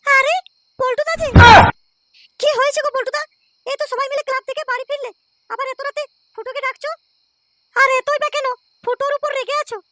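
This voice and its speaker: A woman's voice: extremely high pitch, steady tone, a little fast, pauses often, sharp tone, dry recording. A woman voicing an anxious, nagging village wife in a comic cartoon, with a questioning, plaintive delivery. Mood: curious.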